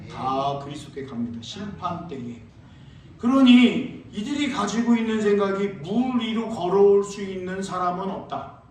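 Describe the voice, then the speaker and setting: High-voiced pastor preaching in an echoey church. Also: male voice, slight background noise. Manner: lively, asks the congregation questions and answers them himself; reads scripture slowly. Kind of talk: sermon. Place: church sanctuary. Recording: very echoey church, heard from a distance.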